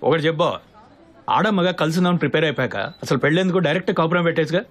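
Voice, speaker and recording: Earnest family man, male actor, film drama: quick, higher-pitched, speechifying delivery over prominent music. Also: natural voice. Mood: teasing, challenging. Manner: emphatic, speechifying. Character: earnest, family-minded groom's-side man defending simple weddings. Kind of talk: Telugu film comedy-drama dialogue.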